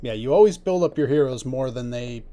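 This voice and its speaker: A man's voice: mid-range voice, lively intonation, a little fast, mellow. A man giving casual commentary as a let's play host while a radio drama plays.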